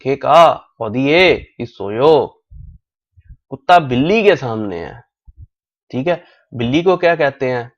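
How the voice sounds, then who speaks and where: A man teaching a language class, slowly repeating drill phrases again and again as in a recorded lecture, with Urdu as his first language. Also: medium pitch, expressive. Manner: slow, repeats drill phrases many times. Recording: dull lo-fi recording.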